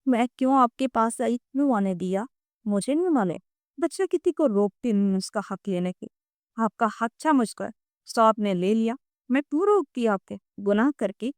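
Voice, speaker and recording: Woman reading proud young wife, cold, composed, mellow tone, dry. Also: on the high side, no echo, close to an everyday voice. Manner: flat, cool, composed.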